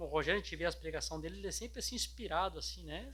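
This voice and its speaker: A man's voice with audible room echo. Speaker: pastor. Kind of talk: sermon. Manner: calm, restrained.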